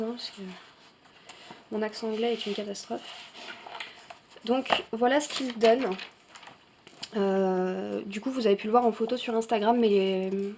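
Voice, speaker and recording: In a laid-back show-and-tell vlog, a coloring channel host walks through her finished coloring pages in a slightly high voice. Her talk is loose, packed with small fillers and quick self-corrections. A faint hiss or hum sits in the background.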